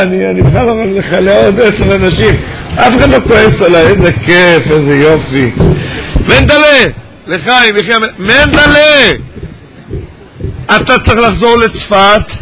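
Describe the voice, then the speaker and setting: A man's voice: high voice, background noise. A man mentoring students at a Hasidic gathering, teasing and joking as he calls out to people in the crowd. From Israel. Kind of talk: lively gathering talk to students. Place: large synagogue hall at a gathering.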